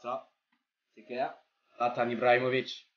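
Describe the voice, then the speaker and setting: A young man gives casual, excited commentary on a football video game, slangy and prone to swearing and exclaiming at plays. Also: medium pitch, measured pace. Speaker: gaming video creator playing a football game. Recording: dull lo-fi voice track with music behind.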